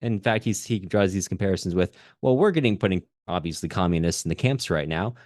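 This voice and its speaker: A man with a low-pitched voice hosts a conversational literary discussion. He thinks aloud in a halting way, working through ideas as he goes. The sound is dry and close, with little room in it. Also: expressive, darkish tone, no room sound. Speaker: podcast host.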